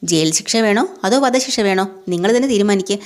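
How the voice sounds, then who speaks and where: A woman voicing a defiant, sharp-tongued young woman who mocks and scolds in a fast, everyday voice. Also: mid-range voice, close to an everyday voice. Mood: scornful. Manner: mocking, scolding.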